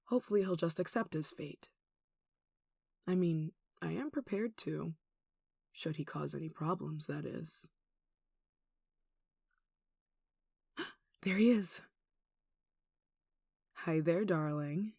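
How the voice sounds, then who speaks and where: A woman's voice: deep voice, measured pace, creaky, long pauses, a little mellow, husky, no room sound, studio quality, heavily acted. A woman playing a tall, possessive, lovesick kidnapper in an intimate ASMR roleplay, cooing and coaxing with sweet menace, sighs and giggles. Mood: anxious, scheming.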